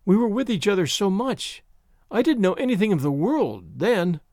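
A man voicing a high-pitched, quavering, naive young woman. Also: very animated, a little mellow, dry recording, studio quality. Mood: meek, regretful. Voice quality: faint, small voice. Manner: hesitant, quavering, halting. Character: naive, distressed young woman, pleading and stubborn. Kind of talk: dramatised audiobook story reading.

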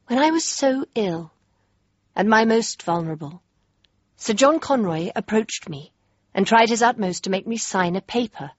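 A young actress playing an earnest, spirited princess, with a crisp, refined way of speaking. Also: female voice, medium pitch, dry recording. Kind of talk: period drama acting and diary narration. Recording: dull dry lo-fi with faint music.

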